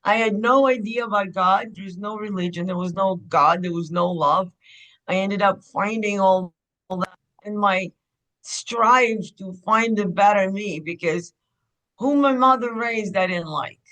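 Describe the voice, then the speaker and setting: A woman speaks as a podcast guest, her voice bright and forward. She tells her story candidly and at an unhurried pace. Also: medium pitch, rough recording. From Ukraine. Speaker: guest, clinic owner. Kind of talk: podcast interview.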